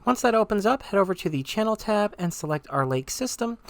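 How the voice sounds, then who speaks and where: A presenter giving step-by-step software tutorial narration in an instructional, conversational manner. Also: medium pitch, lively intonation, fairly quick, dry recording.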